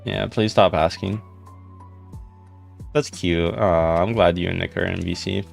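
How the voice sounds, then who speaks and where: Young male streamer, deep gravelly voice, laid-back rambling chat, faint music behind. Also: steady tone, a little slow. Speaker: live streamer. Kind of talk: casual live stream chat, reading comments.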